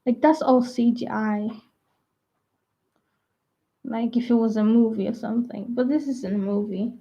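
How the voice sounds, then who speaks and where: Young adult woman, higher voice, croaky at times, meandering casual chat, dull lo-fi recording. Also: fairly even intonation, measured pace, dark tone. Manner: meandering, full of "like" and restarts. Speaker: vlogger. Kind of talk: rambling casual chat to camera. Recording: dull lo-fi sound.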